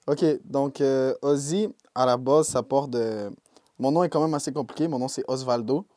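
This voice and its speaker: A young man with a Québécois French accent, a rapper answering interview questions in a relaxed way and dropping English slang. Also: mid-range voice, moderate pace, no echo, clean studio sound. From Quebec, Canada. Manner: laid-back, peppered with English slang like "yo" and "bro". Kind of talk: casual interview talk.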